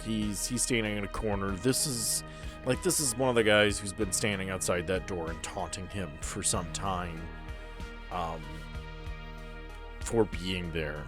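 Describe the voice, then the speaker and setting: A low-voiced man narrating as game master of a tabletop game, relaxed and descriptive. He drops in dry jokes between scenes. Faint music plays under him. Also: a little slow.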